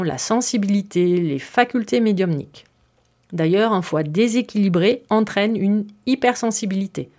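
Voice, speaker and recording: A woman's voice: mid-range voice, a little mellow. Woman podcast host with a chatty, easygoing delivery, talking straight to her listeners with frequent asides. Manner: chatty, explains with fillers and asides. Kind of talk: casual explanatory podcast monologue.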